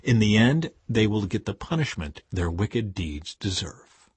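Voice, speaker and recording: A man reading modern-English Bible text as a scripture reader, expressive and emphatic in a rhetorical way. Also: on the low side, unhurried, husky, no room sound.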